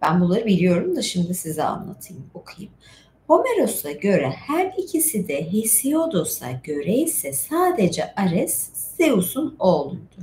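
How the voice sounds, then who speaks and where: A woman's voice: mid-range voice, very animated, a little slow, mellow. A middle-aged woman hosting an informal storytelling stream, reading and retelling myths in a chatty, digressive way with asides. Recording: echoey room with faint background noise.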